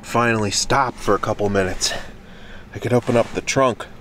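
With a steady, somewhat bright voice at a moderate pace, this thirty-something vlogger films himself up close in his parked car at night. His casual solo talk is glum, low-key, and self-deprecating, with slight background noise.

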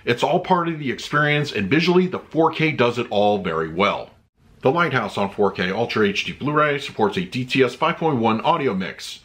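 A man's voice: mid-range voice, expressive, normal speed, a bit bright. A man in his thirties reviewing a movie disc at home, chatting loosely and then reading out a written review. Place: home room with shelves of discs.

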